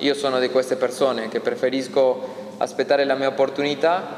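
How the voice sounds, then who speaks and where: Speaking at a moderate pace, a man uses a fairly high pitch and fairly even intonation. Audible room echo and light background noise accompany his voice. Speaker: professional footballer. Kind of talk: press conference. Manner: halting, frequent repetitions. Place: meeting room. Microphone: podium.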